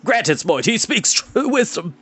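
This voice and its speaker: A man's voice: high voice, very animated, measured pace, husky, voice pushed up, exaggerated voice. A man doing a proud, quarrelsome lord. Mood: amused. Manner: indignant, shouting.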